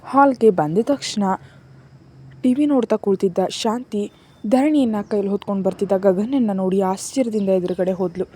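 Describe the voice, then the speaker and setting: A woman narrating a serialized romance novel in a steady, soft storytelling manner. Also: medium pitch, moderate pace, husky. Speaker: audiobook narrator.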